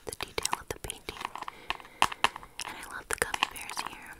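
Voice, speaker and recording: Whispering ASMR woman, close to the mic. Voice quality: breathy unvoiced whisper. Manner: soft, unhurried showing of items up close. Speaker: ASMR host showing a nail collection. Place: small quiet indoor studio with dark backdrop. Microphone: fluffy-covered microphone close in front of her. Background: crinkling and nail tapping on packaging.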